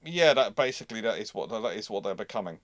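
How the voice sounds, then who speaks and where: A man hosting a live history question-and-answer session, talking haltingly and often repeating and rephrasing his words. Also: lowish voice, animated, dry recording, clean studio sound. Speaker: host of a naval history livestream.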